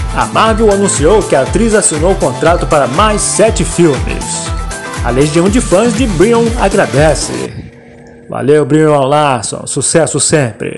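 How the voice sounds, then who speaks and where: With music in the background, a man speaks at a fairly slow pace in a fairly high pitch, his pitch swinging very widely while his loudness stays very even. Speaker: voice-over narrator. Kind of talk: entertainment news narration.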